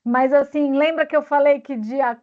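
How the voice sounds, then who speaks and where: A woman's voice: sits high, steady tone, moderate pace. A woman coach talking casually in an online meeting, thoughtful and searching for words. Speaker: guest speaker and coach. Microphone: video call. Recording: dull lo-fi video call audio.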